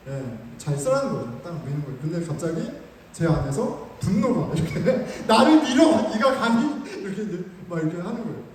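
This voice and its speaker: A man preaching a sermon as pastor, telling a story in an animated, self-mocking way, recorded in a church sanctuary with the mic some distance away. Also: sits high, slight background noise. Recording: echoey hall, mic far off.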